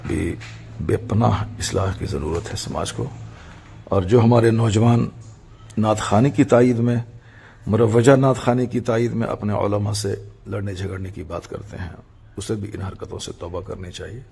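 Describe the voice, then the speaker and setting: Deep, very gravelly male cleric, noisy recording. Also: fairly even intonation, dark tone. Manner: measured, halting phrasing with formal Urdu religious vocabulary. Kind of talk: solemn religious address, formal statement.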